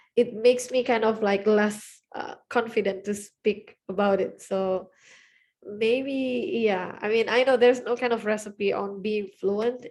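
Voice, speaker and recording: A woman speaks with an Indonesian accent at a fairly high pitch. Her pace is fairly slow. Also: fairly even intonation. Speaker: PhD student vlogger. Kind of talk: personal vlog monologue. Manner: halting, many fillers and false starts.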